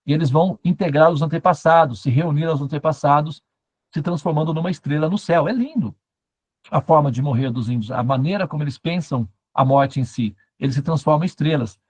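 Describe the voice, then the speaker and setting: A man's voice: fairly high pitch, a little fast, darkish tone, breathy edge. A man giving a satsang talk as a spiritual teacher, telling stories with humor and asking himself questions.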